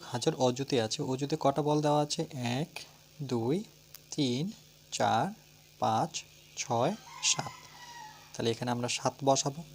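A man's voice: mid-range voice, a little hiss or hum. Bengali man teaching a math lesson. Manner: talks through steps, asking and answering his own questions; counts slowly aloud and spells words letter by letter.

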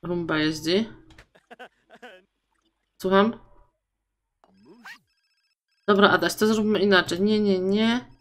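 A young woman casually commenting on her life-simulation game, chatting to her sims and her viewers and going high and loud when surprised. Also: steady tone, slow, pauses often. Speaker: gaming YouTuber. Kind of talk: casual let's-play commentary.

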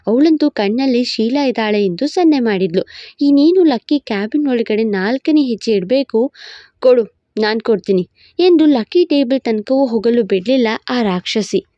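A woman storyteller reading a romantic story in an even, expressive way. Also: fairly high pitch, moderate pace, no room sound, dull audio. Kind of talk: scripted storybook narration.

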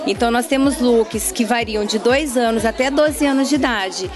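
A woman's voice: fairly high pitch, normal speed. A young woman with a Brazilian Portuguese accent, a shop owner, promoting her stand into a handheld mic indoors, with hesitant fillers. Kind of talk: interview answer. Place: indoor children's clothing stand. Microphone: handheld microphone. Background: music.

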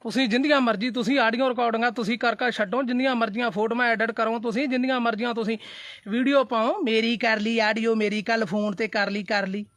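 A man's voice: very high voice, fairly even intonation, fast, fairly bright tone, no room sound. A man ranting defiantly to his viewers in a casual live video, repeating himself and brushing off threats. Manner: defiant, repetitive, addresses viewers as brothers. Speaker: social media live streamer. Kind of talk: heated casual rant to viewers.

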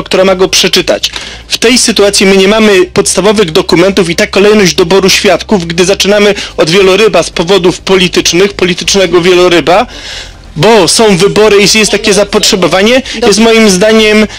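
A man speaking at a parliamentary committee hearing into a desk microphone, slow and deliberate, hesitant with fillers. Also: sits high, a bit bright. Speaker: committee member.

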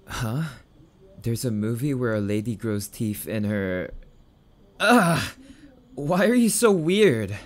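Man acting a young catboy boyfriend, ASMR roleplay, slightly slow pace, defensive, affectionate, stammering, easily spooked, background noise. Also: medium pitch, lively intonation. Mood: appalled, wary.

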